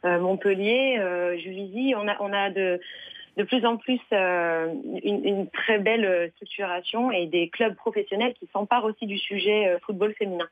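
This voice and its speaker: A woman being interviewed on the radio talks haltingly, full of pauses and restarts. The sound is dull and lo-fi, dry and close with no room echo. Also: mid-range voice. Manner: hesitant, many fillers and restarts. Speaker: guest, founder of a women's football association.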